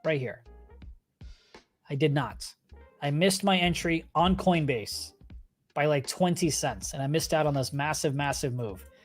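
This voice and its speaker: Higher-voiced man chatting casually over music. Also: measured pace, long pauses. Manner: informal, conversational, addresses viewers directly. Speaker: livestream host and stock trader. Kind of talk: casual live chart commentary, chatting to viewers. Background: background music.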